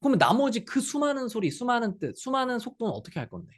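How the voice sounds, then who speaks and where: A man in his thirties who teaches English conversation, giving an animated lecture to viewers with many rhetorical questions and playful mockery. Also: very high-pitched, fast talker.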